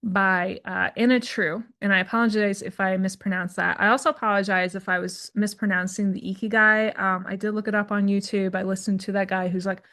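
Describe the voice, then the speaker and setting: A woman's voice: medium pitch, flat delivery, brisk, few pauses, a bit bright. Chatty woman hosting a solo podcast. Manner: chatty and candid, full of fillers and asides; self-described introvert. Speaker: podcast host and career coach.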